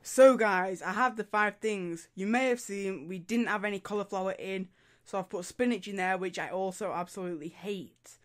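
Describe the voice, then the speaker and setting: A man's voice: high-pitched, moderate pace. A teenage boy with a cold-stuffed voice, chatting casually in his bedroom as he does viewer dares. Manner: chatty, animated, laughs and groans at dares. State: congested from a cold. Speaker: YouTuber. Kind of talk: casual vlog. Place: small bedroom. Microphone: studio mic on arm near camera.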